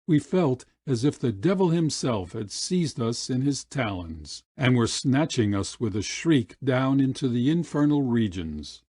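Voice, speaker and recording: A man narrating an audiobook short story in a measured, deliberate storytelling manner. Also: medium pitch, mellow, breathy edge, no echo, studio quality.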